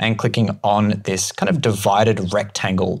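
Behind the man talking, the background stays quiet. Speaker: music software instructor. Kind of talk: tutorial. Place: home room.

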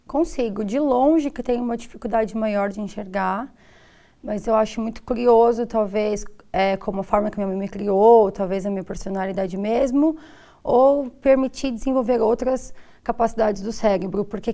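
Against a quiet background, a woman with a fairly high pitch and a dark, mellow tone talks at a moderate pace. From Sorocaba, São Paulo state, Brazil; São Paulo state, Brazil. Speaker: visually impaired university staff member; interview guest. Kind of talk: studio interview. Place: studio. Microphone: lapel.

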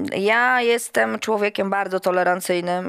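Over a quiet background, a woman talks at a fairly slow pace with a medium pitch and ordinary pitch variation. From Poland, Masuria (Działdowo); Poland. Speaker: national team football coach; women's national football team coach, guest. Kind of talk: casual interview. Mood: calm, earnest. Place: studio. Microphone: headset.

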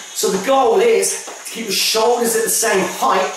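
A man with a high-pitched voice talks at a fairly slow pace amid strong room echo and light background noise. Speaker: fitness instructor. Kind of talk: follow-along workout coaching with live cueing. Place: empty room. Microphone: camera far.

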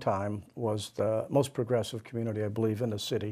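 A man with an American accent, a dark, mellow tone and a very fast pace, over a quiet background. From Chicago area. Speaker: elected county official. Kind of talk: interview. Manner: animated, lively. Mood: relaxed, reflective. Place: studio. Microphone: lapel.

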